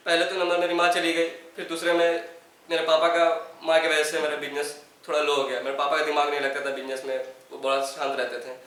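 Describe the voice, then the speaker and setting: A man's voice: a little high, pushed and bright. A young man, an acting student, performing an improvised emotional monologue, pleading and grief-stricken as he calls out to his mother. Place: acting class room. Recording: very echoey room, voice from far off.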